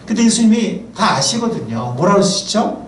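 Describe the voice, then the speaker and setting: Brief: male pastor, lively sermon voice with wide swings in pitch, questions to the pews, caught from afar with faint room ambience. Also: moderate pace, slight background noise. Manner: asks the congregation questions; lively, chatty preaching with asides. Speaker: pastor and professor. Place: church sanctuary. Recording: roomy, distant mic, faint ambience.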